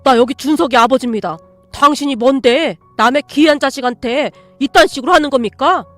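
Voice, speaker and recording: A woman voicing a quiet but protective male teacher who speaks earnestly, in a radio story reading. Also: sits high, a little fast, no room sound, faint music behind, close to an everyday voice. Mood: indignant. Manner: earnest, raising voice in defense.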